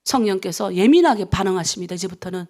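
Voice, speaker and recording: A middle-aged woman pastor preaching an early-morning prayer sermon, swinging between urgent pleading and low near-whispers. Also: animated, quick pace, darkish tone. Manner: acts out quoted prayers and vows.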